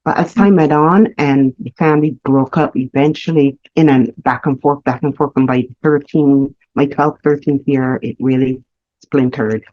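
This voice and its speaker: A woman from Barbados, telling her life story as a guest, earnest and reflective with halting restarts. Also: rumbling low, darkish tone, no echo. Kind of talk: candid personal storytelling. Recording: slightly muffled lo-fi audio.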